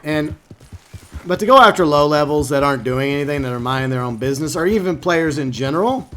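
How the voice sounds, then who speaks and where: A man's voice: a little high, animated, quick pace, fairly bright tone. A man from Texas, casually chatting to viewers on a live game stream and reading their comments aloud.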